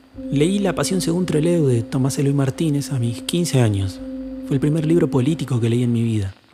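With music in the background, a man with a fairly high pitch speaks at a fairly quick pace with lively intonation and very even loudness. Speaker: podcast host and narrator. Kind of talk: scripted narration.

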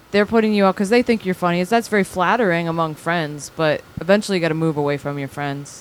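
Talking at a very fast pace in a Philadelphia accent, a woman with a fairly low pitch shows ordinary pitch variation. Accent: Philadelphia American. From Philadelphia, North Philly. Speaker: comedian. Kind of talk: casual chat. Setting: home attic recording.

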